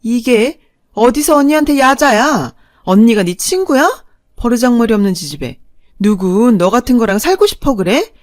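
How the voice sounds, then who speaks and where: A woman voicing a harsh, domineering older mother who berates her daughter in a loud, shrill voice. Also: very animated, moderate pace, dry recording, studio quality. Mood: shouting.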